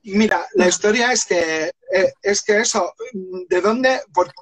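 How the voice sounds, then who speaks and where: A man's voice: high-pitched, takes it slowly, a bit bright, low-quality recording. A man from the Basque Country hosting a camp video chat in drag persona, chatty and full of terms of endearment, talking into a phone from an indoor room. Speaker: host of a drag chat show. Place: indoor room with clothes rack. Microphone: phone on a video call.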